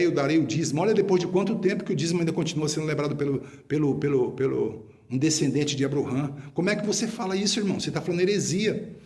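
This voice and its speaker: A man preaches in a somewhat high voice, pressing his points home. He rebukes his listeners and hammers each phrase again and again for emphasis. The delivery is an emphatic sermon. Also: darkish tone. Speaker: apostle preacher.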